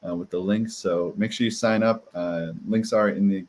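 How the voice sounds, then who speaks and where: A man co-hosting a live podcast over a video call, giving breezy, upbeat announcements and shout-outs. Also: fairly low pitch, fairly even intonation, normal speed. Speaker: podcast co-host and producer. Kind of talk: casual live-stream announcements.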